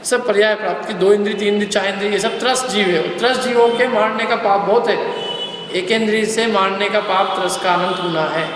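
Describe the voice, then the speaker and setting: An Indian man lectures a class on scripture in a high, somewhat bright voice, brisk and fairly even in intonation. He explains things step by step and puts questions to his listeners, recorded in an echoey hall with faint background noise.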